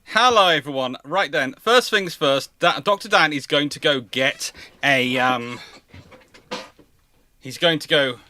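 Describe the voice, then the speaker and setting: Man, livestream host, higher-pitched, bright forward voice, casual, rambling, repetitive phrasing. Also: measured pace, no room sound. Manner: rambling, repeats himself.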